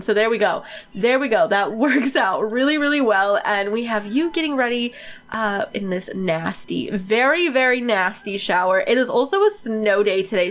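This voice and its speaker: A woman with a stuffy nose from a cold, giving chatty, informal game commentary as a channel host, repeating words for emphasis. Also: on the high side.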